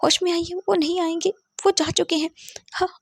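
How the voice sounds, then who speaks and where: A woman voicing a devoted, caring housekeeper who speaks gently and soothingly. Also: very high-pitched, fairly even intonation, normal speed, vocal fry, dry recording, clean studio sound, voice pushed up.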